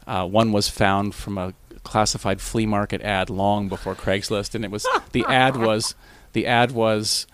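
A man's voice: on the low side, unhurried, hardly any pauses, slight background noise. A man telling a long anecdote in casual conversation, with many restarts. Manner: animated, rambling with restarts. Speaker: guest. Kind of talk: casual storytelling.

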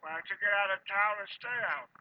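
A man's voice: high voice, expressive, brisk, a little hiss or hum. A man playing a drunken, sarcastic, belligerent rooming-house manager who slurs, stammers and repeats himself in 1940s radio style. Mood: mocking, tipsy. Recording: dull vintage radio recording.

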